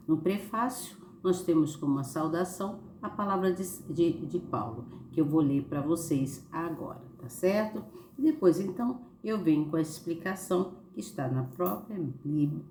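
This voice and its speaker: A woman's voice: low voice, dark tone. A Brazilian woman with a slight cold, teaching a Bible study informally at home, often checking in with her listeners with short tags. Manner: conversational, frequent check-in tags. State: slight cold with occasional cough. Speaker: host of a Bible study channel. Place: living room at home. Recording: roomy echo, faint background noise.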